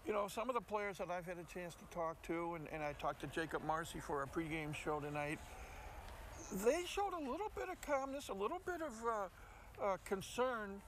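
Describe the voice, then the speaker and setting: An older American man, a play-by-play announcer, co-hosts a sports commentary chat and repeats words for emphasis. His voice is high-pitched and sing-song with a fairly bright tone, moving at normal speed. Faint ambient noise sits in the background.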